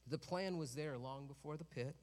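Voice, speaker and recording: A man's voice: on the high side, moderate pace, a little mellow. Preacher man in a reverberant hall. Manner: conversational, joking asides, rising to emphatic peaks. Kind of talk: sermon.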